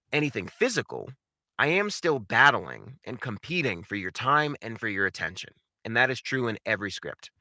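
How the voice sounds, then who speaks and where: Guy coaching viewers on acting, really bright punchy voice, super dry sound, leans on words and pauses for effect. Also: mid-range voice, dry recording. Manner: emphatic, deliberate, with dramatic pauses and repeated phrases. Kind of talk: instructional monologue to viewers.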